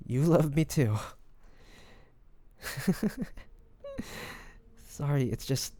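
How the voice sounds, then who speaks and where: A man playing a devoted, nervous young man in love with his best friend, speaking softly and hesitantly in an intimate romantic audio roleplay. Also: fairly high pitch, extremely slow, long pauses. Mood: overjoyed, moved. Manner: hesitant, stammering, breathy sighs.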